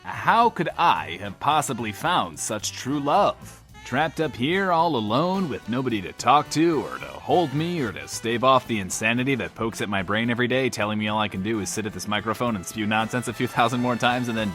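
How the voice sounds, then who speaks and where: Male actor as manic bunker radio host, lonely, theatrical, rambling, highly animated pitch, middle register, comic audio drama. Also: moderate pace, few pauses, faint music behind, close to an everyday voice. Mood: giddy, confiding. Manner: theatrical, rambling, refers to himself in third person.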